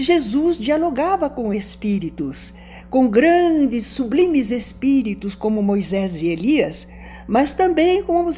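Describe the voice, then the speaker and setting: Music plays in the background as a woman speaks at a fairly slow pace. Her pitch is high and swings very widely. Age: 80s+. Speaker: spiritist leader and writer. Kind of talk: TV interview.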